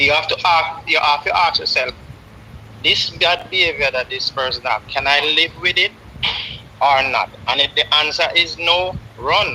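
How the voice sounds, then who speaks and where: Long, frequent pauses break up speech at a moderate pace. Noticeable background noise is audible throughout. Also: man. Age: 60s. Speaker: caller. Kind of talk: call-in radio chat.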